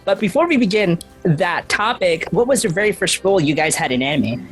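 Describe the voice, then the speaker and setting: A male interviewer with a slightly high voice, eager and stumbling over his words as he asks questions. Faint music sits in the background. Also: animated, a little fast, a bit bright. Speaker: interview host.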